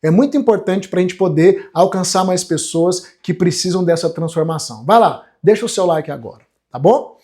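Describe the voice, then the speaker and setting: A man's voice: high voice, expressive, normal speed, few pauses, dark tone. A man, a self-help coach giving an emphatic live-stream class and speaking straight to the viewer. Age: 40s. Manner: emphatic, repeats phrases, addresses the viewer directly.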